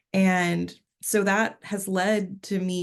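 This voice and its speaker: The intonation stays monotone and flat over a quiet background. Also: woman. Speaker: spiritual podcast host. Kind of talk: casual solo podcast monologue.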